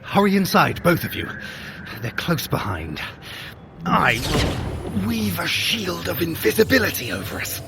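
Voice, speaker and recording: A man's voice: high voice, huge pitch swings, a little slow, noisy background, heavily acted. A man playing a sly, vain trickster god in an audio drama, theatrical and glib. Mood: commanding. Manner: theatrical, glib, self-justifying.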